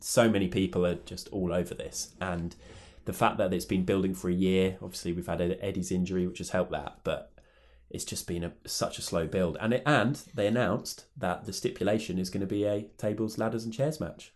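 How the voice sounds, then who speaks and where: A man hosting a casual podcast chat, talking loosely and trailing off into low mutters. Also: fairly even intonation, brisk, hardly any pauses. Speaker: podcast host.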